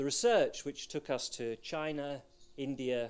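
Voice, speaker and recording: With a British accent, a man speaks at a fairly slow pace with fairly even intonation. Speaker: visiting professor, think tank researcher. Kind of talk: lecture.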